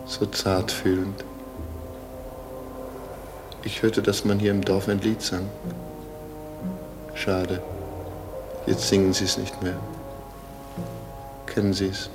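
A murdered man's ghost in a radio play. The voice is fairly low and takes its time. He is exquisitely polite and formal, yet mocking and insistent, treating the macabre with dry understatement. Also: level tone, slow pace, long pauses, over music. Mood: wry, mocking. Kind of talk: German radio drama acting.

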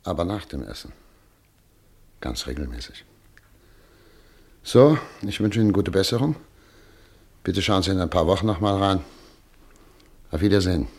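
An actor playing a composed, brisk professor of medicine, courteous but guarded, in a German radio play. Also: male voice, low-pitched, lively intonation, a little mellow.

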